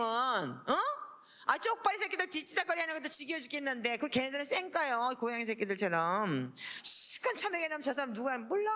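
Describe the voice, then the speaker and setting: A woman's voice: high-pitched, bright, forceful tone. A middle-aged woman pastor giving an emotional sermon testimony in a blunt, earthy, colloquial way.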